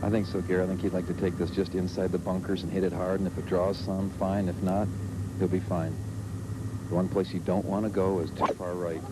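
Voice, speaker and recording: A man's voice: deep voice, little pitch movement, brisk. A man working as an analyst in live golf commentary. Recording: very noisy outdoor broadcast.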